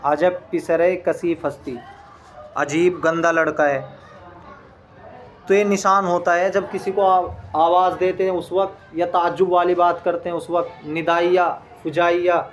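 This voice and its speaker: A man's voice: high voice, level tone, unhurried. A man teaching a lesson. He reads each Persian phrase aloud, then patiently explains and translates it word by word, repeating key points.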